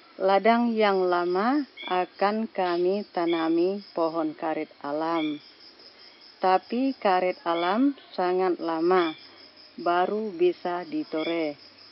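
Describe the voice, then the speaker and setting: A woman at medium pitch, with ordinary pitch variation, talks at a very slow pace. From West Kalimantan, Indonesia. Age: 60s. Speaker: farmer. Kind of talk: personal story narration.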